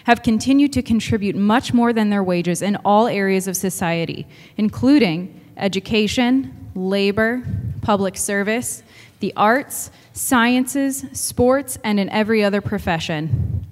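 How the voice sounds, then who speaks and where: A woman, a councilwoman, reading a formal resolution aloud in a measured way in council chambers. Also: mid-range voice, long reverb tail.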